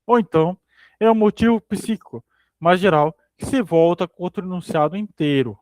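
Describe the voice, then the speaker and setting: A man's voice: high voice, normal speed, a little mellow, dry recording. Man reading aloud. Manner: reads steadily, stumbling and rereading phrases. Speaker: reader in a philosophy study group.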